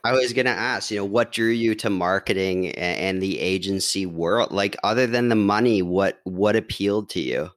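A man's voice: low-pitched, normal speed, hardly any pauses. A man hosting an interview, asking curious follow-up questions that often restart partway through. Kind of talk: podcast interview.

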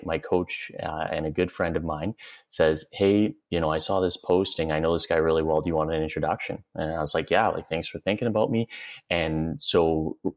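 A man with a very deep voice, answering interview questions in an earnest, reflective way. He talks things through at length and gives his reasons step by step. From Western Canada. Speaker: guest, company CEO.

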